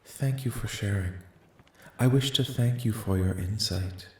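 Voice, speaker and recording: A man voicing a curious, polite, detached alien researcher in a soft-spoken ASMR roleplay, questioning in formal, clinical, measured phrases. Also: natural voice. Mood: calm, curious. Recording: echoing voice with faint rumbling noise.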